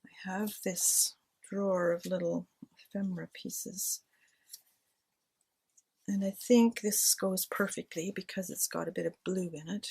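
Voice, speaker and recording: This crafting vlogger's voice is fairly low, creaky and darkish with a breathy edge, and her intonation stays fairly even at a measured pace. She casually talks to herself and her viewers while decorating a handmade journal at home.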